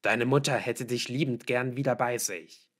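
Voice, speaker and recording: A man's voice: medium pitch, normal speed, pitched above the performer's own voice, lightly acted. A man voicing a worried, frustrated middle-aged father in an audiobook, pleading insistently and emphatically with his daughter.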